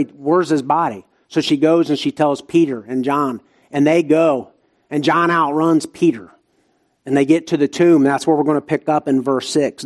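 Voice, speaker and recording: A man's voice: on the high side, a little mellow. Appalachian hillbilly man preaching a sermon. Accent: Appalachian hillbilly Southern US. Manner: emphatic short phrases with repetition and rhetorical questions.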